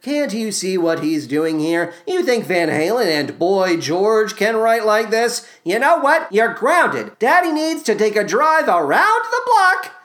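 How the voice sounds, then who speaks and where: Sarcastische podcastpresentator met een levendige stem. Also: male voice, high-pitched, very animated, unhurried, few pauses, fairly bright tone. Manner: sarcastic, exasperated rants with mock voices. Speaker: podcast host. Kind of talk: comedic review monologue.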